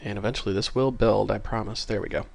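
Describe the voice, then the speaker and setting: A man's voice: lowish voice, steady tone, quick pace, vocal fry, a little mellow. A man hosting a programming tutorial, casual and apologetic, a bit stuffy after a cold. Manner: casual, apologetic, self-correcting. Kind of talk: screen-recorded coding tutorial.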